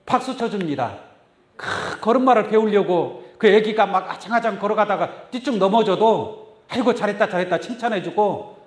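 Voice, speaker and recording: Male pastor, sermon delivery, questions to the flock, lively pitch, roomy church sound. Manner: asks the congregation many questions. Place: church sanctuary. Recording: echoey church room. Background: congregation saying amen.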